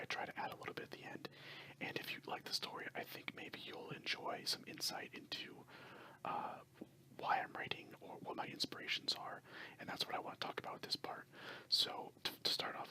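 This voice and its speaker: Unvoiced, breathy ASMR whisper. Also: rough recording. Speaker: ASMR creator and amateur story writer. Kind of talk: whispered ASMR, reading a nature story and chatting to listeners.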